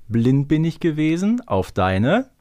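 A man's voice: fairly high pitch, very animated, slow pace, a little mellow. A man from Germany's Ruhr area hosting a podcast in a casual, chatty style. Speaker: podcast host. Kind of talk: casual chat.

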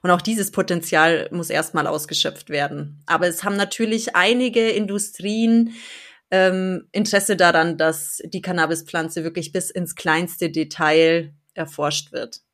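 A woman in her thirties from southern Germany talks as a guest in an interview. Her voice sits a little low, and she speaks with eager, earnest enthusiasm. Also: fairly even intonation, measured pace, a bit bright. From Allgäu, Bavaria, southern Germany. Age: 30s. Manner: enthusiastic, earnest, laughs easily. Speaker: interview guest, blog founder and editor. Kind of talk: conversational podcast interview.

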